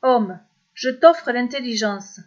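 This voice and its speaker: Woman doing male titan, storybook figure, vibrant voice, grave, tender, fairly high, dull lo-fi sound. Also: expressive, slow, darkish tone. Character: Prometheus, male titan, tender solemn creator.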